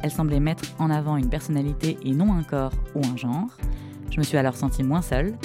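A woman hosting a podcast, calmly reading a scripted, reflective narration. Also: sits low, brisk, over music. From partly Morocco. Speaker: podcast host.

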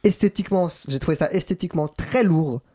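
A man's voice: a little high, a little fast, mellow. Rambling man losing his voice. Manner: rambling, hesitant then laughing. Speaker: film critic. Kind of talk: casual chat.

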